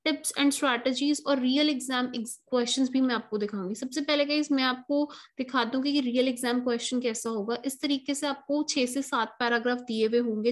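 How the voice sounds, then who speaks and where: High-voiced woman teaching a lesson. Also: a bit bright. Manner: explanatory, addresses viewers as guys, slows down to stress words. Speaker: exam prep tutor. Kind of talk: online lesson, Hindi mixed with English.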